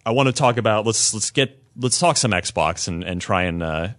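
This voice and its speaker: A man hosting a casual gaming podcast, talking with his co-hosts and often halting and restarting mid-sentence. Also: lowish voice, dry recording. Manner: somber and halting, then lively and animated. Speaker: podcast host.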